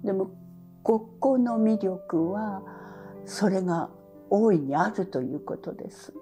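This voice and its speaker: Over faint background music, a woman speaks very slowly with long, frequent pauses and lively intonation. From Japan. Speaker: indigo dye researcher. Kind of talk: interview answer. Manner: positive, upbeat. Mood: warm, smiling, reflective. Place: workshop.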